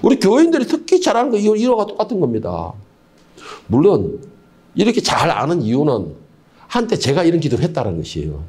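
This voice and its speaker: A man's voice: fairly high pitch, huge pitch swings, brisk, a little mellow, husky. A middle-aged man preaching a sermon as pastor, asking the congregation rhetorical questions and stumbling over many filler words.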